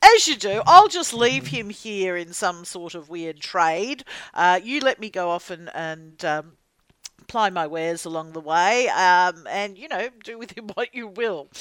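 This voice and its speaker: In a very clean recording with a silent background, a woman with an Australian accent and medium pitch speaks at a fairly slow pace, her intonation lively and her loudness swinging widely. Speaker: podcast co-host. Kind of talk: casual chat.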